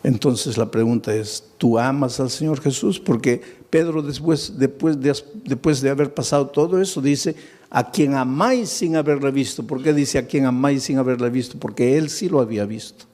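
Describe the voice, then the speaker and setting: A man's voice: mid-range voice, moderate pace, warm tone. A man preaching a sermon, telling a Bible story with acted-out dialogue and rhetorical questions to his listeners. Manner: dramatic storytelling, acting out biblical dialogue; asks the audience rhetorical questions.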